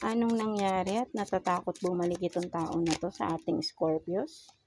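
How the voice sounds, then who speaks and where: A woman's voice: fairly low pitch, steady tone, noisy background. A woman with a Filipino accent doing a casual tarot reading, mixing Tagalog and English and asking coaxing rhetorical questions. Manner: slow, murmured pleading while drawing cards. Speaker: tarot reader.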